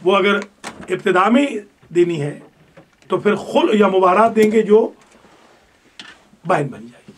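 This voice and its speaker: A man with a notably high voice leads a religious grammar class. He explains patiently, then corrects his students sharply and firmly. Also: expressive, pauses often. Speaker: religious studies teacher.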